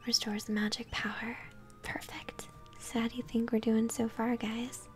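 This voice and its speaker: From a room at home, with game music playing, a young female streamer whispers ASMR-style commentary and encourages her viewers. Her pitch is fairly high with little movement, and she speaks at a moderate pace.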